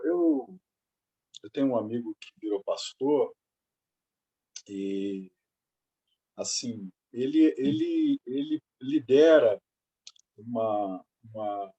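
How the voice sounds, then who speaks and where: Man, group talk, halting delivery, husky and warm-toned. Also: medium pitch, rough recording. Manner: hesitant, many restarts. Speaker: study group participant. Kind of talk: casual group discussion.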